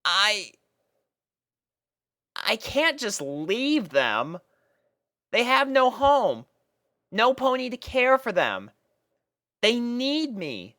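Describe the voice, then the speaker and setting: A storyteller voicing a brash, caring, excitable cartoon pegasus pony mare with emphatic, drawn-out announcements. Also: mid-range voice, no echo, studio quality, pitched above the performer's own voice, exaggerated voice. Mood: tender, pleading.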